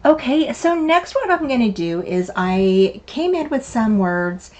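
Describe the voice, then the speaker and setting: An older woman, hosting a card-making tutorial in a casual, rambling way with many fillers. Her voice is a little raspy and hoarse from a lingering cough. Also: fairly high pitch, very animated, a little slow, darkish tone, dull audio. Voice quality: slightly raspy. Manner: chatty, meandering, with many fillers and restarts. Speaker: craft channel host. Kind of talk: casual craft tutorial narration.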